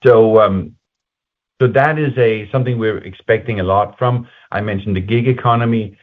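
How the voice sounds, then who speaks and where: A man presenting company results on a conference call in a halting, conversational, explanatory way, as an executive speaking to investors. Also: fairly low pitch. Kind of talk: semi-scripted earnings call presentation. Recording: muffled phone-like conference call line.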